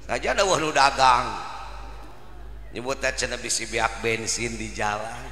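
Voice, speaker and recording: A man giving a sermon as an Islamic preacher, animated and exhorting, breaking into shouts. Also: mid-range voice, unhurried. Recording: echoey reverberant hall.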